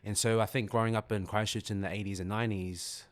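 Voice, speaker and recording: A Samoan man from New Zealand in his forties speaks in a very deep, low voice with a steady tone. Like a guest opening up on a podcast, he talks reflectively and thoughtfully, pausing to search for words.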